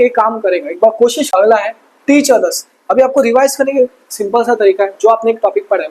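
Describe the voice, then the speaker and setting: A man's voice: sits high, darkish tone, slightly rough, low-quality recording. A young man giving motivational study advice in a fatherly way, often repeating his points. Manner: fatherly, calls viewers "beta", repeats advice. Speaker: study tips presenter.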